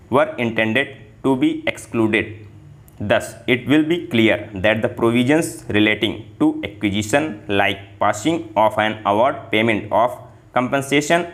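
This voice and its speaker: A man dictating formal legal text for shorthand practice, reading it out in deliberate, separated phrases. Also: medium pitch, fairly bright tone.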